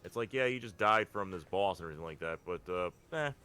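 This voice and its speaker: A man with a very deep voice and a forceful, bright edge. He talks casually about games as a podcast co-host, blunt and quick to swear. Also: slight background noise. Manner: blunt, sweary, animated phrasing. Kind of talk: casual video game discussion.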